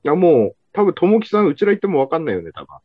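A man with an Ibaraki accent, hosting a casual podcast chat with quick jokes and frequent laughter. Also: on the high side, wildly swooping pitch, no room sound, narrow, tinny audio. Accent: Ibaraki dialect. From Ibaraki, Japan. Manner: quick, joking, laughing often. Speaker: podcast host.

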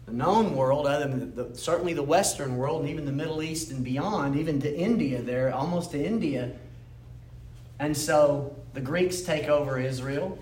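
A man with a fairly high voice leads a Bible history lesson, talking it through casually and stopping to ask "okay?" along the way. He sounds like he is in an echoey church room, with faint noise in the background. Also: normal speed, darkish tone. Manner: conversational, explanatory, often checks in with "okay?". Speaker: Bible class teacher.

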